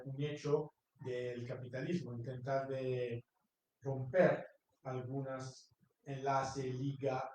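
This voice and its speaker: A man from Italy speaking Spanish with an Italian accent, commenting from the audience with halting, repeated words. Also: medium pitch, a little mellow. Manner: halting, repeats words, non-native phrasing. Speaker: audience member. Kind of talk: public Q&A comment. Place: university lecture hall. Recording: echoey lecture hall from far off.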